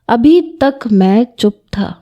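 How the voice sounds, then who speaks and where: A woman's voice: on the high side, animated, dark tone, lo-fi sound, close to an everyday voice. A woman voicing a sarcastic, defensive young husband in an audio story, mocking and accusing.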